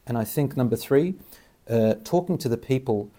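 A man's voice: mid-range voice, expressive, normal speed, mellow. A man hosting an interview, giving earnest religious advice in a teaching tone. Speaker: interviewer and Islamic preacher.

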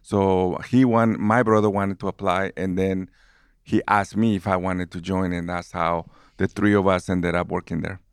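Guy in his 50s w/ guatemalan accent, lowish smooth voice, chatty storyteller. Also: normal speed, dry recording, clean studio sound. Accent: Guatemalan Spanish. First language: Spanish. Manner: warm, animated storyteller who laughs easily. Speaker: movie theater manager. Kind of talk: storytelling in an interview.

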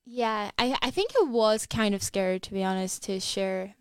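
A woman's voice: medium pitch, normal speed, smooth, no room sound, studio quality. A Scottish woman in her twenties, a chatty guest talking casually with lots of fillers. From Edinburgh, Scotland. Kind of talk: casual interview testimony. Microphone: studio microphone.

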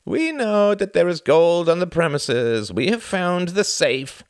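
A man's voice: high voice, big pitch swings, measured pace, no room sound, studio quality, voice pushed up. A man voicing a menacing male gunman who barks commands and threats.

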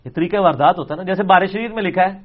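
A high-pitched man gives a lecture-style Q&A as a religious scholar. He is sarcastic and animated, and he acts out the opponents he quotes. The recording is dull and lo-fi. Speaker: religious scholar answering audience questions.

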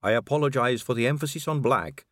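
A man voicing a calm, elegant, sly female vampire noblewoman in an audiobook, cool and drawling. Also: mid-range voice, fast talker, dry recording, studio quality, pitched above the performer's own voice, close to an everyday voice. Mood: smooth, courteous. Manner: cool, drawling, amused and poised. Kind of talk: audiobook character reading.

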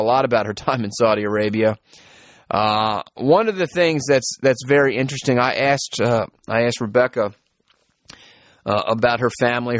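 A man's voice: mid-range voice, no echo. A man hosting a podcast, speaking casually with many fillers and restarts as he introduces an interview. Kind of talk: casual spoken introduction, then interview questions.

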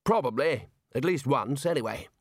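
A man's voice: mid-range voice, expressive, moderate pace, dry recording, studio quality. A man voicing a hearty older chief wizard, cheerful, blunt and unflustered, in a fantasy storybook reading.

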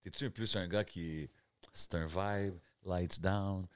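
Low-voiced man, podcast host, franglais slang, casual. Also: steady tone, slow, smooth, no echo, clean studio sound. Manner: mixes English slang into French.

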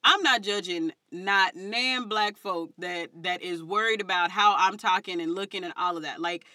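A woman's voice: lowish voice, normal speed, pushed and bright, no echo, clean studio sound. A woman in her thirties with a Southern African American English accent, talking candidly and emphatically in slangy, unfiltered conversation as an interview guest. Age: 30s.

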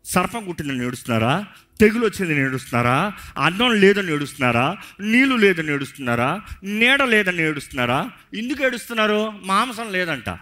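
A man's voice: high voice, big pitch swings, brisk, sharp tone. A man preaching a sermon as pastor, passionate and mixing in English phrases.

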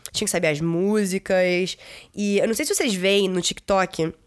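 A woman's voice: mid-range voice, steady tone, moderate pace. Chatty young Brazilian woman vlogging. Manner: chatty, swears casually, many fillers. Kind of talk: casual storytelling.

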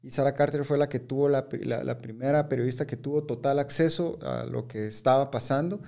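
A man's voice: mid-range voice, steady tone, fairly quick, vocal fry. A man hosting an interview podcast in Spanish, introducing his guest and supplying words when she gets stuck. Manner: warm, helps the guest with words. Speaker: podcast host. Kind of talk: casual interview.

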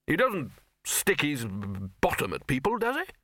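A man's voice: a little high, huge pitch swings, normal speed, sharp tone, dry recording, voice pushed up, heavily acted. A man voicing a bossy, blustering old wizard in a comic fantasy storybook, with blunt, clipped, hectoring delivery. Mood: indignant, firm. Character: gruff, blustering, bossy old male wizard Arch-Chancellor.

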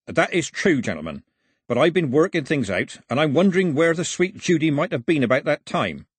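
Man voicing a blunt, wary old-school sea captain, raised pitch. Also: very animated, a little fast, breathy edge, no room sound, studio quality. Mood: grave, practical. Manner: blunt, folksy, nautical talk. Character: wary, plain-spoken sea captain, dryly deferential.

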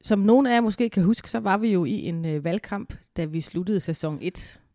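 A woman with a cold co-hosts a podcast from her living room at home, chatting casually in an upbeat, rambling way full of fillers. Her voice is medium-pitched and warm, and the recording is dry and studio quality.

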